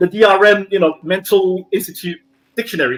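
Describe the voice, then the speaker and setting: Speaking with a British accent, a man moves at a fairly quick pace. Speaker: storyteller. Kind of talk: casual chat. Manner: fast.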